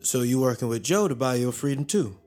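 An actor in an audio drama playing a young enslaved apprentice who asks curious, blunt questions. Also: male voice, medium pitch, animated, a little fast, darkish tone, soft background music, lightly acted.

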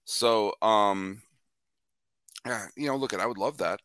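Man, podcast host, casual chat, bright tone, close dry mic. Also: fairly low pitch, a little slow, clean tone, dry recording. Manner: animated, repeats words while thinking.

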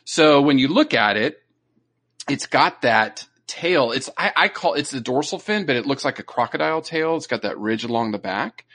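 A man's voice: mid-range voice, animated, normal speed, fairly bright tone. A man co-hosting a podcast, explaining animal facts in a loose conversational way, often checking in with "you know" and "right?". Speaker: podcast co-host. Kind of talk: casual educational chat.

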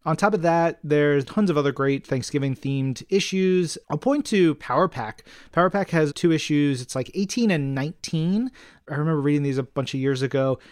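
Clear-voiced, enthusiastic man, close and dry. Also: on the high side, moderate pace, no room sound. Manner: enthusiastic, effusive. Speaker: podcast co-host. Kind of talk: casual podcast chat.

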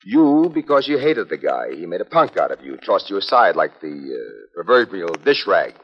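A wisecracking hardboiled private eye. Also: male voice, deep voice, big pitch swings, moderate pace, slightly rough, heavily acted. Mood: cool. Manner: wisecracking, clipped tough-guy delivery. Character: hardboiled male private eye narrator, wry and tough. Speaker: detective lead and narrator. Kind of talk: 1950s radio drama acting. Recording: muffled old radio transcription with music.

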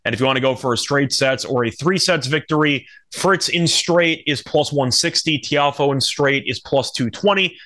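A man's voice: mid-range voice, normal speed, hardly any pauses, sharp tone. A man speaking as a podcast host, giving conversational, analytical sports betting commentary.

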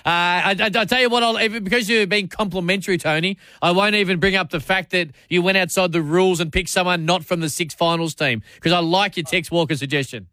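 A man's voice: high-pitched, brisk, hardly any pauses, sharp tone, no room sound. An Australian man hosting sports talkback radio, matey and chatty, often restarting his phrases. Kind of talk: casual talkback commentary. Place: radio studio.

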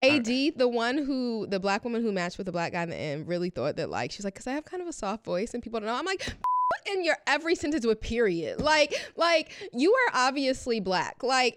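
A woman's voice: a little high, no echo. Chatty woman, close dry sound. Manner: animated storyteller, often quotes people in dialogue. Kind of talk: casual chat.

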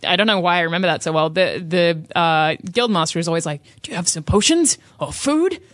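A woman's voice: on the low side, lively intonation, fairly quick, fairly bright tone, no room sound, studio quality. A woman chatting casually as a podcast panelist, with a playful, teasing manner. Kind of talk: casual banter.

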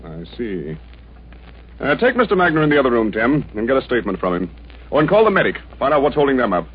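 A calm American homicide inspector from a 1950s radio drama. He is clipped, dry and authoritative, with lively intonation on a muffled old recording. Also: medium pitch, quick pace, breathy edge. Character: calm, businesslike male homicide police inspector.

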